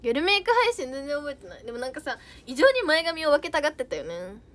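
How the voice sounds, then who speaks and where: A woman's voice: high-pitched, very animated, fast talker, a bit bright. A young woman idol chatting casually on a livestream, reading out viewer comments with bubbly giggles.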